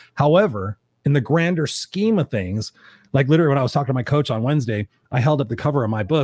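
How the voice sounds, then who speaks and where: Animated and somewhat breathy, a man speaks fairly quickly at a fairly high pitch with very wide pitch swings, recorded dry and close with no echo. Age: 50s. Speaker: podcast host and coach. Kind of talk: casual chat. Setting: video call.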